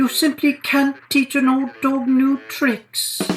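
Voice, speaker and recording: This is a put-on character voice that sounds female. The pitch is high. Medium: read story. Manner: formal, lecturing.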